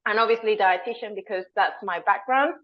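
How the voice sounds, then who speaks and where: Speaking briskly in a medium-pitched voice, a dietitian from Venezuela, a woman in her thirties, answers interview questions as a guest. She's earnest in her explanations and now and then searches for words. High frequencies are cut off in the audio.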